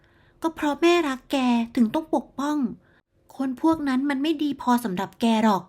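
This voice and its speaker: A woman voicing a boastful, gossiping middle-aged neighborhood auntie in a storybook tale, with a shrill, smug, bragging manner. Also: lively intonation, normal speed, a little mellow. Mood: defensive insisting. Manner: smug, shrill, bragging about her daughter. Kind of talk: storybook character voice.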